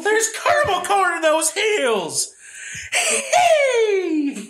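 An extremely high-pitched put-on character voice with very wide pitch swings, at a very slow pace. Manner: gruff, rustic.

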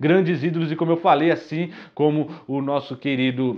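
The background stays quiet. A man speaks at a moderate pace, his pitch varying in an ordinary way. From Bahia, Brazil. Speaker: music YouTuber. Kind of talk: casual vlog monologue. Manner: hesitant, many fillers. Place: home room.

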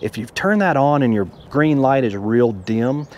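A man talking at a fairly quick pace, ordinary pitch variation, dry sound with no echo, and light background noise. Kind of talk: tutorial. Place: garden. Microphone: lapel.

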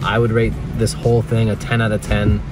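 Music plays in the background while a man speaks at a fairly low pitch. The sound is dry, with no echo. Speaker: business coach vlogger. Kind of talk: casual vlog chat. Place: car. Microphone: phone near.

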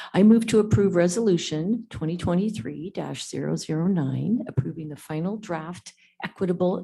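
At a moderate pace, a woman speaks with a dark, mellow tone and vocal fry. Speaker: city council member. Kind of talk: formal motion at council meeting. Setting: city council chamber.

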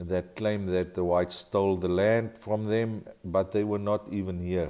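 A man with a South African accent speaks in a very deep, low pitch with a dark, mellow tone. His intonation is fairly even, and the background is quiet. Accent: Afrikaans-accented English. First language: Afrikaans. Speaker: YouTube vlogger sharing family DNA results. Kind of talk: monologue video talk. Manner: halting, with frequent fillers. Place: home room. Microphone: webcam.

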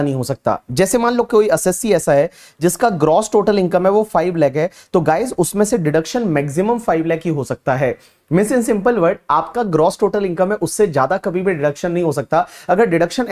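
The man's intonation is lively. His words come at a moderate rate. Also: quiet background. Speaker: tax lecturer. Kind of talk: lecture. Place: studio.

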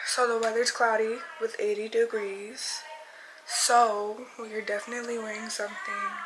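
Loudness swings widely as a woman talks at a moderate pace through noticeable background noise. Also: ordinary pitch variation. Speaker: fashion vlogger. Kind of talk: casual vlog chat. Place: home room.

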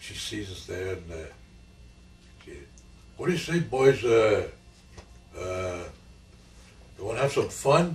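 A man at a medium pitch talks at a fairly slow pace, with very wide pitch swings, big jumps in loudness, long and frequent pauses, and audible room echo. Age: 80s+. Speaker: grandfather. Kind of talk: interview answer, personal life stories. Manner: casual, joking. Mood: amused, reminiscing. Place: home room. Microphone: old recording.

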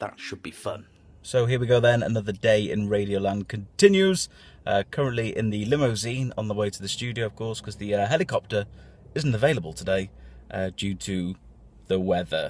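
A man speaks at a fairly quick pace with a fairly low pitch, a somewhat breathy voice and ordinary pitch variation. His loudness swings widely, and the recording is very clean with a silent background. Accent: British. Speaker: radio presenter. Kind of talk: casual vlog talk to camera.

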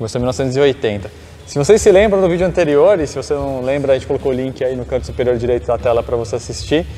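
Music plays in the background as a man talks at a very fast pace. His intonation is lively. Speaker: show host. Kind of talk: casual conversational commentary. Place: workshop.

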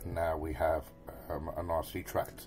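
Music plays in the background as a man speaks. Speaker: VFX tutorial maker. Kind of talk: software tutorial narration.

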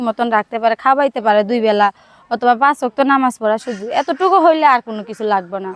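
With a dry, close sound and no echo, the speech shows ordinary pitch variation. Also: woman. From Bangladesh, Dhaka area (Keraniganj). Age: 20s. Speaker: woman seeking marriage. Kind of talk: interview testimony.

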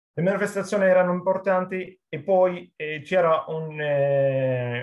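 A man speaks at a fairly slow pace with an Arabic accent. His pitch varies in an ordinary way, and the background is quiet. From Palestine, Bethlehem; Palestine. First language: Arabic (speaking Italian). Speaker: activist; speaker. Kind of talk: talk; lecture-style talk. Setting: video call. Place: home room. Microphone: webcam.

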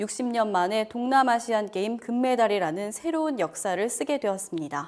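Her pitch swings very widely as a woman talks at a moderate pace. The background is quiet. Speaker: news announcer. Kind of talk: broadcast news reading. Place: studio. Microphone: lapel.

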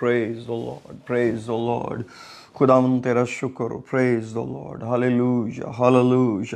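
In a flat monotone, a man with a dark, mellow tone speaks at a fairly slow pace. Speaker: pastor. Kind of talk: sermon in Hindi-Urdu, with prayer and scripture, as a church address. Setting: church. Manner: earnest, fervent preacher's delivery, driving points home with emphasis and repetition. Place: home room. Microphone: lapel.

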